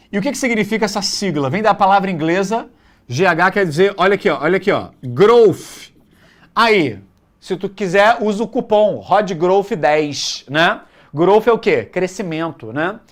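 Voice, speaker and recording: Brazilian male teacher, jokey and slangy, voice rising and falling a lot. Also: sits high. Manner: slangy, joking, lively lecturing. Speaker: biology teacher. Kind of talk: live online exam-prep class.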